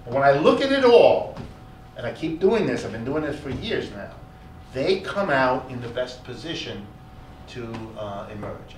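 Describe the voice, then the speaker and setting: Male lecturer, fairly high and very lively delivery, emphatic, heard from afar in an echoey hall. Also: slight background noise. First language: German. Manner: animated, emphatic lecturing with repeated words. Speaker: economics lecturer. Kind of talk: public lecture. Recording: echoey hall, recorded from far off.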